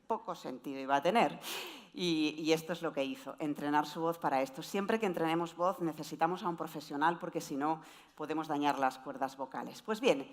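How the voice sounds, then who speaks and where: A woman giving an explanatory presentation talk on voice, with wide, lively swings in pitch. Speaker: voice coach speaker.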